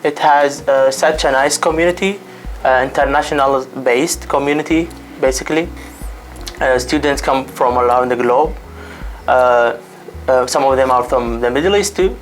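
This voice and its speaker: Young Arab-man, halting student. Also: mid-range voice, low-quality recording. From Iraq. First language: Arabic. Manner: halting, frequent fillers. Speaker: PhD student. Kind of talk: interview, self-introduction. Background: faint music.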